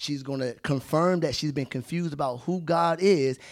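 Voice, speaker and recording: A man's fairly high-pitched voice at a moderate pace, with ordinary pitch variation. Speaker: traveling evangelist. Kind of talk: testimony. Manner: earnest, hesitant, stumbling with many filler words as he recounts the story.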